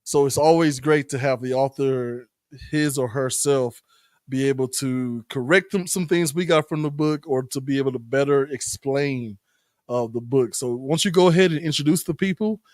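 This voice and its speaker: Man, podcast host, casual interviewer, mid-pitched voice, dry close recording. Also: normal speed, no room sound.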